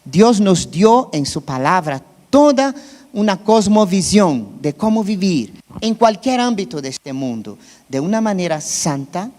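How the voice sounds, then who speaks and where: A man's voice: sits high, sing-song, a little slow, a little mellow, big-room sound. A Brazilian man who speaks Portuguese as his first language preaches in Spanish with a Brazilian Portuguese accent, keeping it conversational and checking in with his listeners. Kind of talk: sermon. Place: church.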